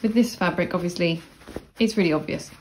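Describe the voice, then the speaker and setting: Relaxed, chatty woman teaching sewing. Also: lowish voice, a little fast, a little hiss or hum, rough recording. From Cornwall, England. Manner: relaxed, chatty, self-deprecating asides. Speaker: sewing instructor. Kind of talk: casual step-by-step tutorial narration.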